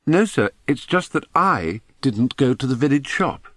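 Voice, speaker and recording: A man's voice: mid-range voice, very animated, measured pace, a bit bright, no room sound, studio quality, voice pushed up. A man voicing a nervous, evasive, polite schoolboy with an English accent, hesitant and deferential, in an audiobook. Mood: nervous evasion.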